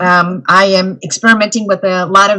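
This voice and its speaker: Her bright, sharp tone carries an American accent at a medium pitch. The woman keeps a moderate pace with fairly even intonation. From Brooklyn, New York. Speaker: artist. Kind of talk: panel discussion. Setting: video call.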